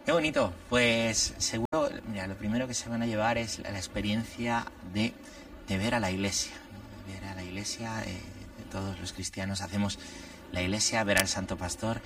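A man, a priest and guest, explaining religious matters in an unhurried, reflective way and laying out his points one by one. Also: on the low side, fairly even intonation, fairly bright tone, recorded from a distance. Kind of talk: conversational religious commentary.

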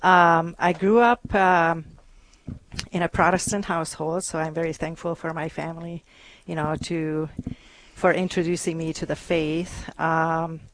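A woman's voice: low-pitched, flat delivery, a little slow, dry recording, low-quality recording. A middle-aged woman from Hungary, a radio guest speaking thoughtfully with many ums. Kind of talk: radio interview.

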